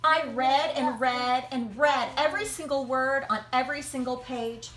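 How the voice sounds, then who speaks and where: A woman reading a children's picture book aloud, expressively, with dramatic pauses and emphasis. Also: sits high, a bit bright, roomy sound, a little hiss or hum. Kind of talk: animated children's read-aloud.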